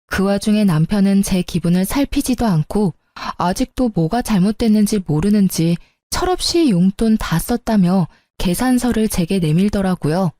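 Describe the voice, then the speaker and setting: A woman's voice: mid-range voice, animated, moderate pace, hardly any pauses, dark tone, dry recording, studio quality. A woman narrating a first-person story for story radio, telling it with indignation.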